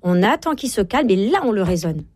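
A woman's voice: mid-range voice, big pitch swings, a little mellow, dry recording, clean studio sound. A woman in her forties, an author on parenting, talking in an interview, emphatic and full of fillers. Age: 40s. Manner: fast, emphatic, many fillers and repeated agreements. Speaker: author and child psychologist, guest. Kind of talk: interview conversation.

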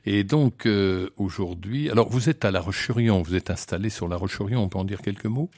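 A man hosting a radio interview, often pausing on filler sounds as he asks his questions. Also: fairly low pitch, creaky, darkish tone, dry recording. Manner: hesitant, many filler sounds. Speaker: radio host. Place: radio studio.

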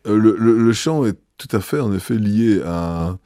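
Low, mellow man. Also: lively intonation, no echo, clean studio sound. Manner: thoughtful, hesitant, frequent filler pauses. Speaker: bishop. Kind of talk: interview answers.

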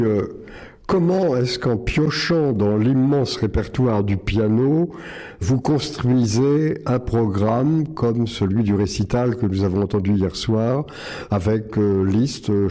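A man's voice: mid-range voice, slow pace, dark tone. A man interviewing a musician, asking formal, polite questions.

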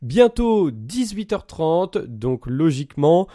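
A man's voice: a little high, sing-song, slow, mellow, no room sound, clean studio sound. A man reading a scripted radio station announcement between programs. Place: radio studio.

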